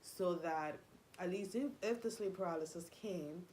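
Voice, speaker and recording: A young woman whose first language is Spanish speaks in a low, unhurried voice. She confides her story in a rambling way, full of fillers and false starts. A faint hum of room noise sits underneath her. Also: darkish tone. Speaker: vlogger. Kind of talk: personal storytelling vlog.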